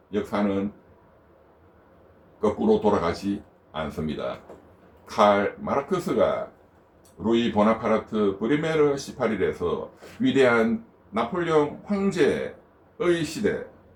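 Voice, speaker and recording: Long, frequent pauses break up a man's speech at a very slow pace. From South Korea, Busan. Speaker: political commentator. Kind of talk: political monologue. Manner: hesitant, with many fillers.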